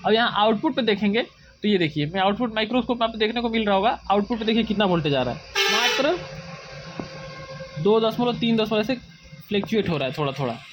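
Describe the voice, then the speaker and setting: A man's voice: high-pitched, animated, quick pace, noisy background. A man from India explaining a phone repair step by step at his workbench, often pointing out what to look at carefully. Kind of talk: hands-on repair tutorial.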